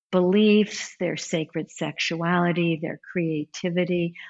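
A woman with an American accent. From Pittsburgh, US. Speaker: author and yoga teacher. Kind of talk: casual interview.

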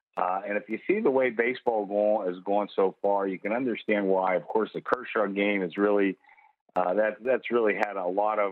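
A man with a fairly low pitch talks at a moderate pace. He has a normal speaking voice. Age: 60s. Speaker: sportsbook director. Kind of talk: radio interview. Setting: phone or remote call.

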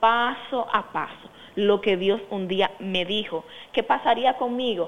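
The woman's fairly high voice moves very slowly, its intonation fairly even. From Dominican Republic, rural San José de las Matas. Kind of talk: testimony. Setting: video call.

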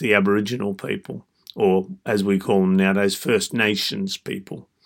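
A man's fairly low voice with an Australian accent. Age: 50s. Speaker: podcast host. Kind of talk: monologue commentary.

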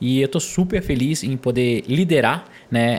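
Fairly slow and somewhat breathy, a man speaks with lively intonation. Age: 30s. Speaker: games studio executive. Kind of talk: interview.

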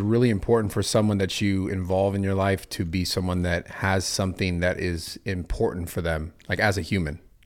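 A man with an unremarkable speaking voice, fairly low in pitch, at a fairly quick pace, on a very clean recording with a silent background. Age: 30s. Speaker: gym owner. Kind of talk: casual chat.

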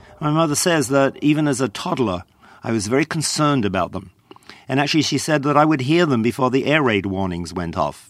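A man with an English accent, medium pitch, a fairly quick pace and lively intonation. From England. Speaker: psychology professor. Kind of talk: interview.

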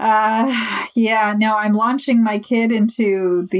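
A woman speaks in a New York accent. Her pitch is fairly high. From New York, Long Island. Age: 50s. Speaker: writer and newspaper publisher. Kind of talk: casual interview.

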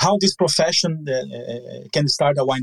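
The speaker has a Portuguese accent and a moderate pace, with ordinary pitch variation. The sound is dry and close, with no echo. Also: man. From Brazil, Florianópolis. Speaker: wine ambassador and interviewer. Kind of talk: reading aloud; interview. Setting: online audio chat room.

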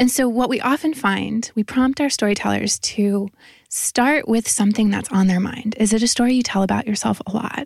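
Somewhat breathy and fairly high in pitch, a woman talks at a moderate pace with ordinary pitch variation in a dry, close sound with no echo. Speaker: science storytelling organization director. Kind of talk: interview.

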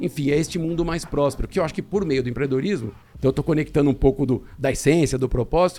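A man's dark, mellow tone at a fairly high pitch, with ordinary pitch variation and a very fast pace. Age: 50s. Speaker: franchise consultant. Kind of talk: podcast interview.

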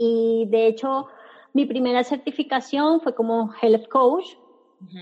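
With a dark, mellow tone, a woman speaks at a high pitch with ordinary pitch variation. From Colombia, small town. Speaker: wellness coach and meditation teacher. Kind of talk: interview.

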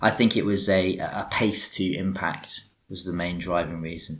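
With an English accent, a man talks at a moderate pace. His pitch is very deep and low, and his intonation stays fairly even. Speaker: investor. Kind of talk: casual interview. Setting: video call.

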